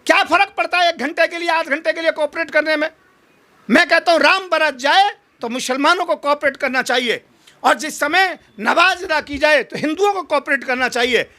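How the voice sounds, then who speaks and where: A man's voice: very high-pitched, brisk, bright, forceful tone. A man giving an impassioned political interview, speaking in combative, emphatic oratory full of rhetorical challenges.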